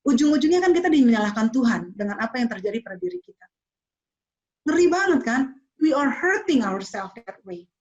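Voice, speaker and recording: A woman giving a motivational talk to students, expressive and slipping into English phrases. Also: fairly high pitch, brisk, highs cut off. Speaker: motivational speaker.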